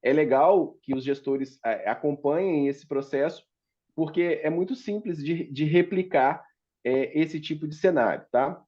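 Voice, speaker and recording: A man's voice: a little high, a little slow, warm tone, highs cut off. A man giving a panel presentation as a startup founder, talking hesitantly with many fillers and restarts. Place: meeting room at a public forum.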